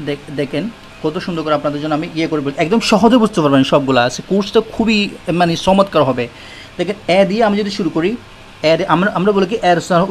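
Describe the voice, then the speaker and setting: A man's voice: sits high, slight background noise. A man with a Bangladeshi Bengali accent teaching a beginner English lesson, repeating each word and checking in with his viewers often. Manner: repeats words, frequent "ঠিক আছে?" check-ins.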